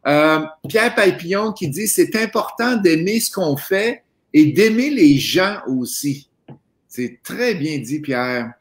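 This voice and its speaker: Male host, unhurried delivery, somewhat high voice. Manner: reads out viewer comments, relaxed. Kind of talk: casual interview chat.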